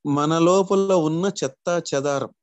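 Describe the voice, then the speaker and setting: A man's voice: on the high side, measured pace, no room sound. A man teaching a spiritual class in an explanatory way, addressing his listeners as masters.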